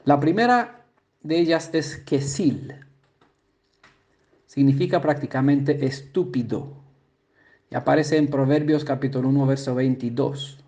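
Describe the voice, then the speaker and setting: A man who speaks Spanish as a second language, explaining word meanings as a Bible teacher, pausing often with fillers and checking in with the listener. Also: medium pitch, dark tone. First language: not Spanish. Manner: halting, many filler "eh" sounds and restarts, asks "¿no?" and "¿vale?".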